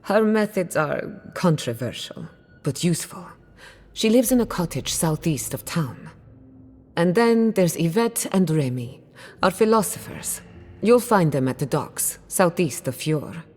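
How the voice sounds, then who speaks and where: An actress playing a proud, sharp-tongued outcast woman scholar in dramatic video game dialogue, articulate, assertive and wry. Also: lowish voice, very animated, unhurried. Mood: determined.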